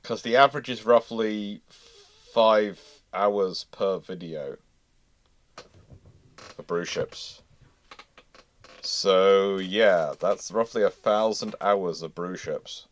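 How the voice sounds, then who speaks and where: A naval history livestream is hosted by a man with a low voice who speaks slowly and pauses often. He chats casually and rambles as he thinks aloud.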